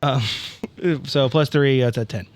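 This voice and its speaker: A man's voice: medium pitch, slow pace, dry recording. A man playing a tabletop role-playing game, chatting casually and thinking aloud in a rambling, informal way.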